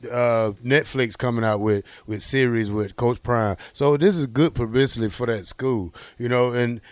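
A man co-hosting casual sports talk in an earnest, halting way, often repeating words as he builds a point. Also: medium pitch, no room sound. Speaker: sports show co-host.

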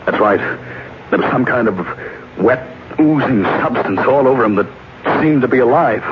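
A man's voice: medium pitch, expressive, moderate pace, natural voice. An actor playing a grave, alert man facing alien invaders in a 1950s radio drama, speaking with earnest, dramatic emphasis. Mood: grim, urgent. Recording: muffled, noisy old radio recording.

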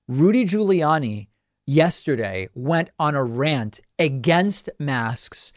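Chatty talk show host with a New England accent. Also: male voice, on the high side, expressive, takes it slowly, no room sound, studio quality. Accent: southern western New England. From grew up in southern western New England. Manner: chatty, digressive, with frequent restarts. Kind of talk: casual monologue.

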